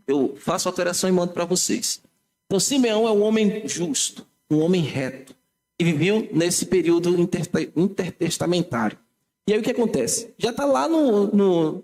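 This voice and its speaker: Brazilian pastor teaching a conversational Bible class. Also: male voice, high-pitched, darkish tone. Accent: Brazilian Portuguese. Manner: conversational, self-correcting, addresses congregation directly. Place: church.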